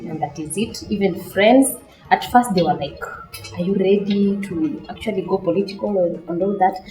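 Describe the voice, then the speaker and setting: A woman's voice: lowish voice, dark tone. A woman with a Kenyan accent giving a personal account in a documentary interview. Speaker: election candidate. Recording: echoey room, music underneath. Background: background music.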